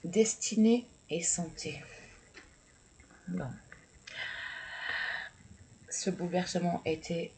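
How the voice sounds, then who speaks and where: A man reading tarot and oracle cards for viewers, talking slowly and hesitantly with many fillers, and encouraging and congratulating the listener. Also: high-pitched, dark tone, rough recording. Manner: slow, hesitant, with many fillers and repeated words. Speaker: tarot and oracle card reader. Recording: clear background noise.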